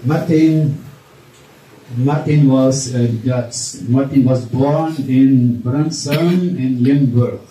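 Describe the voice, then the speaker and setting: A man shares memories at a memorial vigil, halting with many fillers and a habitual tag question. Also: medium pitch, dark tone. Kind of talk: informal remembrance speech. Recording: echoey room, distant mic, faint noise.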